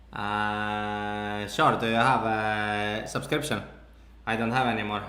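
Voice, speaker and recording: A man at a very slow pace, fairly low in pitch and monotone, flat in intonation, with audible room echo and noticeable background noise. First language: not English. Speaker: forex trading streamer. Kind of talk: live stream chat. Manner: halting.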